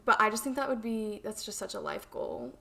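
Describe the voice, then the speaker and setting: Young woman, podcast co-host, upbeat, rambling, casual chat, mid pitch. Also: very animated, a little fast, gravelly, a bit bright. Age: young adult.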